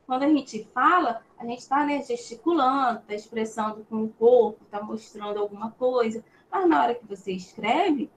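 A woman's voice: on the high side, a little hiss or hum, poor audio. A Brazilian woman teaching an online class, patiently explaining and checking in with frequent tag questions. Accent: Brazilian Portuguese. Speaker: schoolteacher.

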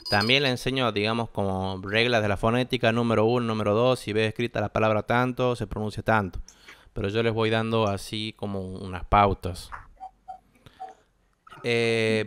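Teaching an English lesson to a classroom, this young Argentine speaks with an Argentine Spanish accent, guiding students step by step and making sure they follow. His voice is low-leaning, steady, and fairly bright at normal speed, with a little hiss or hum.

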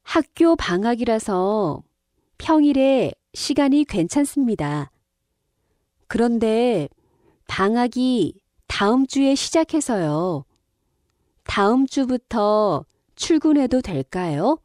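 A woman reading a scripted listening-test dialogue, slowly and with careful enunciation. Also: fairly high pitch, sing-song, darkish tone, no room sound, studio quality. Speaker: dialogue reader on a Korean listening exam.

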